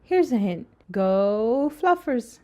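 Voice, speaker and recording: Mellow, cheeky flirt. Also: female voice, a little high, sing-song, slow. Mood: playful. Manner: coy, suggestive. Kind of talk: audio drama acting.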